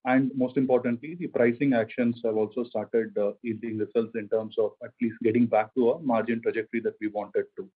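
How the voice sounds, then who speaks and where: A man speaking as a company finance executive, giving measured corporate answers to analysts on an earnings conference call. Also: medium pitch, steady tone, husky. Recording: phone-like conference call line.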